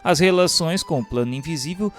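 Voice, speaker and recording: A Brazilian man giving a solemn, scripted spiritual narration in a formal, measured, declamatory way. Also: fairly high pitch. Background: instrumental music.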